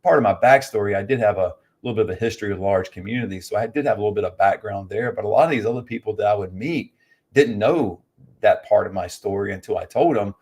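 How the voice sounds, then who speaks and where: A man's voice: lowish voice, quick pace, darkish tone. A man coaching in an informal motivational business talk, conversational, repeating key points for emphasis and often checking in with short tag questions. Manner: conversational, emphatic repetition, frequent "right?" tags.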